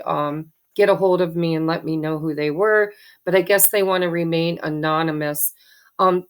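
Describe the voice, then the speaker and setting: A woman, hoarse from allergies, chatting in a rambling, thankful way as host of a tarot channel, with many ums. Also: lowish voice. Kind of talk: casual chat to viewers.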